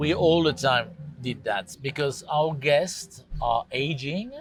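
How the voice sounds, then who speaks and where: A man's fairly high voice with a French accent at a very slow pace. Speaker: hotel executive. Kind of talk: interview. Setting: trade show. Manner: halting.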